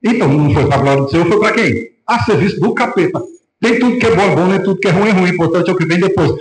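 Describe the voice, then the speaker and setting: A Brazilian pastor in full preaching mode, his voice sitting a bit high for a man and carrying around a reverberant church room. He talks with energy and slips into the voices of the people he quotes. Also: very fast. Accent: Brazilian Portuguese. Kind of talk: sermon. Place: church hall.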